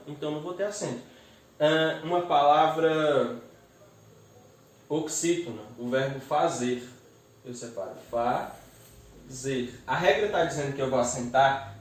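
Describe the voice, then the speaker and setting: A man's voice: medium pitch, recorded from a distance. Man teaching in an echoey room. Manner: explains step by step, syllabifies words slowly, checks in with "certo?". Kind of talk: grammar lesson. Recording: echoey room, voice away from the mic.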